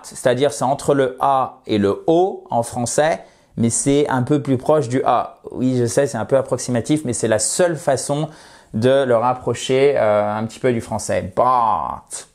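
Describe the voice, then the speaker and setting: A man teaching an online pronunciation lesson, patiently repeating example words slowly and checking in with his viewers. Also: medium pitch, darkish tone. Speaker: English teacher.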